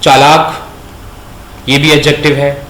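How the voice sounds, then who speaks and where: A man's voice: a little high, level tone, fairly bright tone. Man teaching a grammar class, echoey room. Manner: explains patiently, asks questions and slowly repeats words for students. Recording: echoey room with faint background noise.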